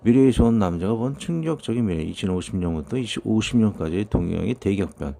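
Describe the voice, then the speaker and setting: A man's voice: on the low side, lively intonation, fast, vocal fry, warm tone. A man in his fifties preaching a sermon, reading out prophecies and commenting on them in a loose, conversational way with many fillers. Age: 50s. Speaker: pastor.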